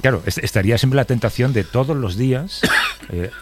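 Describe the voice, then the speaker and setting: A man's voice: mid-range voice, lively intonation, moderate pace. A man from Spain hosting a panel, teasing his guests and posing questions. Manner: joking, teasing, hypothetical questions. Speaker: host. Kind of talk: panel conversation.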